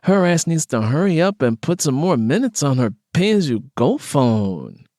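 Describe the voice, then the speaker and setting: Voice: mid-range voice, big pitch swings, unhurried, mellow, dry recording, clean studio sound, voice pushed up. An audiobook narrator voicing a brash, crude, taunting young Latina woman with slangy, profane talk and mocking laughs. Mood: irritated, snippy. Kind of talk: audiobook character dialogue.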